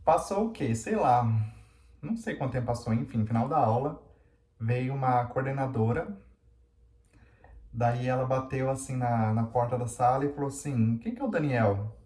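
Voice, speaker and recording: Guy vlogging a personal story, candid and chatty, mid pitch, room echo. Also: moderate pace, darkish tone. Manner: candid, confessional, full of fillers. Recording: roomy echo.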